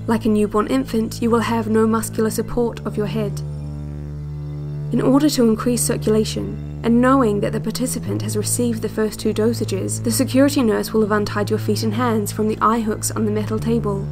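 Audio drama, female actor as secretive cassette guide to a captive: high voice, deliberate instructions over prominent music. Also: fairly even intonation, lightly acted. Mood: calm, instructive. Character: secretive woman narrating relaxation cassette, guiding a captive's escape.

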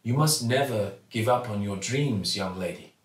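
A man's voice: on the low side, normal speed, natural voice. A man voicing a kindly, sentimental male newsagent in a storybook, avuncular and emotional. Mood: earnest. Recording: roomy, slightly distant mic.

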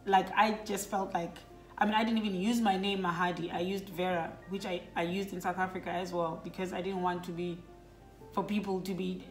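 A woman's voice: lowish voice, flat delivery, a little fast. A middle-aged woman from Lesotho telling a personal story to her children, casual and reflective, with many fillers. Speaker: vlogger talking with her children. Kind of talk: casual family chat. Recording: roomy echo with faint background music.

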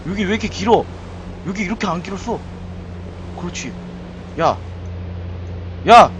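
High-voiced jumpy Korean man gaming. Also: lively intonation, normal speed, dull audio, background noise. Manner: jumpy and frightened, pleading and muttering curses. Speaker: game streamer. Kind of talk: scared let's-play commentary.

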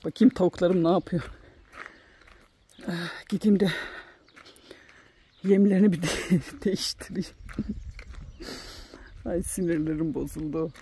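A woman's voice: fairly even intonation, measured pace, pauses often, mellow, a little hiss or hum. A woman vlogging casually to her viewers outdoors in a farmyard, chatting along and cooing fondly at her chickens. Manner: chatty, coos affectionately at her chickens in a higher voice. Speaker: village life vlogger. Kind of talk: casual vlog chat to viewers.

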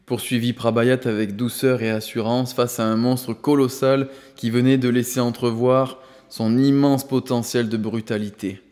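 A man's voice: medium pitch, little pitch movement, moderate pace, a little mellow. Man narrating a novel with reverb. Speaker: audiobook narrator. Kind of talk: scripted narration.

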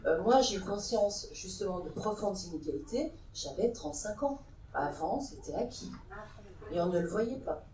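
A woman's voice: medium pitch, expressive, normal speed. A woman panelist at a round-table discussion, speaking earnestly from personal experience. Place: large conference hall. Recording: echoey hall from far off, with noise.

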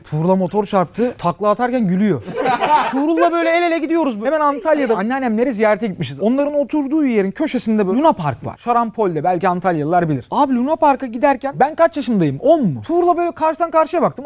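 Fast, high, animated male comic storyteller. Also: no room sound. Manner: animated, acts out voices of family and strangers. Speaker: comedian telling a childhood story. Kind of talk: comic storytelling on a talk show.

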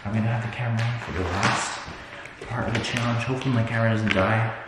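A man in his twenties talking to his camera in a nervous, hushed way for a night challenge vlog. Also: medium pitch, steady tone, fast talker. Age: 20s. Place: small rooms indoors at night. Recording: echoey small room with loud noise.

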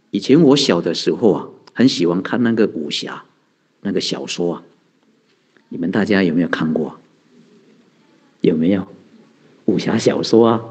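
A man's voice: on the low side, darkish tone, husky. A man, a Buddhist monk giving a conversational dharma talk, asking rhetorical questions and answering them, chuckling often. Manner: chuckles often, heavy use of sentence-end particles.

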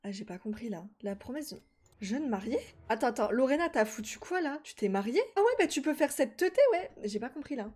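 A woman's voice: a little high, animated, darkish tone. Chatty young woman gaming. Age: 20s. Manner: chatty, talks to her game characters and viewers; quick exclamations of delight and confusion. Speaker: gaming YouTuber. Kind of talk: casual Let's Play commentary.

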